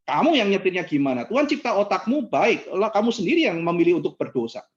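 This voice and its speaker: High-voiced man preaching casually. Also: sing-song, fast talker, muffled recording. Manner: casual preaching, frequent tag questions. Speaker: pastor. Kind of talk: conversational sermon.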